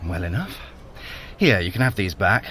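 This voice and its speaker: Sardonic trickster god, scornful, theatrical, extremely animated pitch, audio drama, some background ambience. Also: male voice, normal speed, a little hiss or hum, full character voice. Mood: scornful, exasperated. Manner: theatrical, scornful, drawling aristocratic speech. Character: haughty, sardonic trickster god, male, fussy younger brother. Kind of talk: scripted audio drama dialogue.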